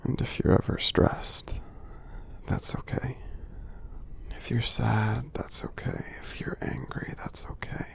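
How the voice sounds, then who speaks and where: A man voicing a kindly, reassuring giant in a soothing ASMR roleplay, half-whispering with a husky, gravelly creak and halting delivery. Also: medium pitch, flat delivery. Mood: soothing, caring. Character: gentle friendly male giant, kindly and reassuring. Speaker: ASMR performer.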